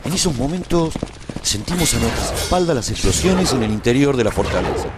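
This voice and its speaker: A man playing a brave, lovestruck warrior who tells his own adventure in a radio serial, theatrical and husky, with measured dramatic pauses. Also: medium pitch, very animated, heavy background noise, natural voice. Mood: urgent, tense. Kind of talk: dramatic scripted first-person radio serial narration.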